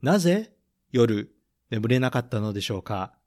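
A man reading a picture book aloud and running a gentle English vocabulary quiz for children, saying each line in English and then in Japanese. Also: medium pitch, big pitch swings, slight background noise. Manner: slow, careful delivery, repeating each point in English then Japanese. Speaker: storybook reader and English teacher.

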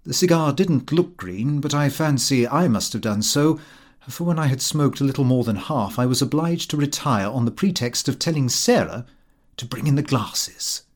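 A British man reads a comic diary aloud as an audiobook narrator. His pitch is mid-range but moves about a great deal, giving the prim, precise phrasing a very animated shape. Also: normal speed. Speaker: audiobook reader. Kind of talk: scripted narration of a comic fictional diary, read in character as the diarist.

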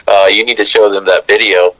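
A man's voice: fairly low pitch, a bit bright, no room sound, low-quality recording. A man calling in to a podcast over a speakerphone, terse and sparing with his words. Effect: heard over a speakerphone call. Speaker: podcast phone-in guest. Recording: speakerphone line with crowd noise.

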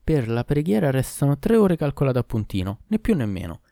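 A man's voice: mid-range voice, very animated, brisk, creaky, mellow, no echo, studio quality, pitched above the performer's own voice. A man voicing a fussy, long-winded old barber who talks pompously and pedantically in a storybook reading. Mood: pedantic.

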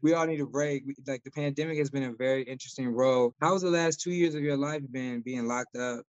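A man's voice: medium pitch, fast, smooth, dry recording. A man hosting an interview, chatty and enthusiastic, laughing easily as he asks questions. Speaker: interviewer host. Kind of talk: casual interview chat. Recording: dull lo-fi dry sound.

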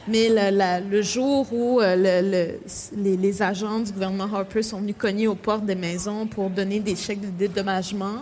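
Halting young woman author. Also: mid-range voice, fairly even intonation, darkish tone, slight background noise. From Quebec, Innu community. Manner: hesitant, halting with many restarts. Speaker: author guest.

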